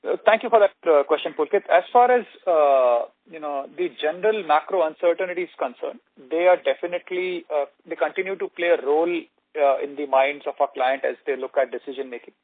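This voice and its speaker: A man giving halting, measured corporate answers as an executive on an earnings call. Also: fairly high pitch, no echo. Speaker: company executive answering analysts. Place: conference call. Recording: narrow, dry telephone conference line.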